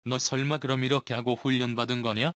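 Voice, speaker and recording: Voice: mid-range voice, level tone, fast, fairly bright tone, lightly acted. A performer playing a young recruit buddy in a comedy skit, blunt and dryly teasing. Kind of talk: comedic skit role-play.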